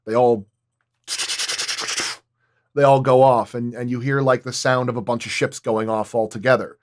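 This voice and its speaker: Man chatting casually, halting delivery. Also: mid-range voice, flat delivery, a little hiss or hum. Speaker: sound designer on an audio drama, guest. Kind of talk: casual roundtable chat.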